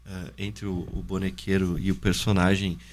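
Low-voiced curious male interviewer. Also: little pitch movement, moderate pace, slight background noise. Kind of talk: interview questions.

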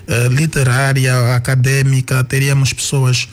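A man, a radio guest answering questions thoughtfully with many pauses, fillers and restarts. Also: mid-range voice, completely flat delivery. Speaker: guest writer.

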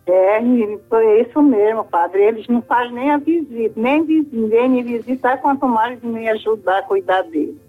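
A woman's voice: fairly high pitch, slightly rough, soft background music. Older Brazilian woman on a tinny phone line. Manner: hesitant, halting, short replies. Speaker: caller. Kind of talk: phone-in call.

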